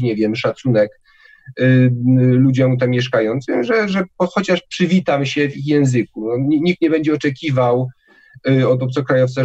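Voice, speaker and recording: A man's voice: mid-range voice, a little mellow, muffled recording. A man giving an interview, talking casually and hesitantly, often restarting his words. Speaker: interview guest.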